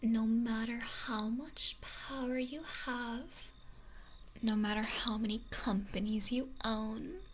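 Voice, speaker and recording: Woman as a slow, whispery, possessive mafia boss. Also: a little high, fairly even intonation. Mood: wistful, controlling. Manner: whispery, breathy, slow and domineering. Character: possessive, lonely, wealthy female mafia boss. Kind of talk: intimate ASMR roleplay monologue. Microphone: close binaural microphone. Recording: noisy close binaural whisper recording.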